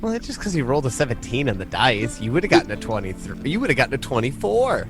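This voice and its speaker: A man running a tabletop game as game master, narrating casually with halting, joking delivery. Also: mid-range voice, sing-song, music in the background.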